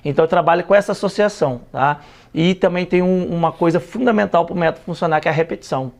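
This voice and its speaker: A man's voice: on the high side, fast talker, creaky. A man, a language school founder, explains his teaching method in a studio interview, repeating words for emphasis. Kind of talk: studio talk show interview.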